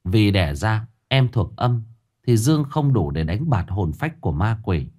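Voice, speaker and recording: A man putting on a knowing spirit medium woman of about forty, calm and matter-of-fact. Her voice sits low, with a lively rise and fall. She sounds like a figure from a spoken ghost story. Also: measured pace. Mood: explaining.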